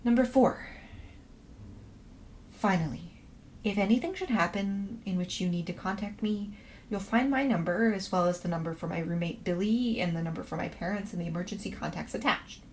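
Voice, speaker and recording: An actress playing a polite, quirky professor, reading a letter of instructions aloud in a matter-of-fact, reassuring way for a fiction podcast. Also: female voice, mid-range voice, moderate pace, lightly acted. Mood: reassuring, businesslike. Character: polite, quirky woman professor giving house-sitting instructions. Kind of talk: scripted letter read aloud in a podcast promo. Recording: faint background noise and ambience.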